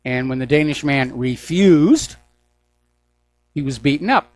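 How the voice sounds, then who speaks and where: An older American man hosting a political news talk show, speaking in an opinionated monologue with deliberate, pause-broken phrasing. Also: mid-range voice, lively intonation, a little mellow. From United States.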